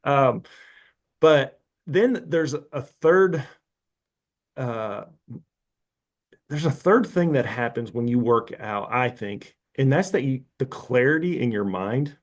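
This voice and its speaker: A man's voice: mid-range voice, expressive, slow, long pauses. A man in his fifties talking frankly and casually as a podcast guest, rambling with restarts and asides. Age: 50s. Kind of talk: casual interview talk.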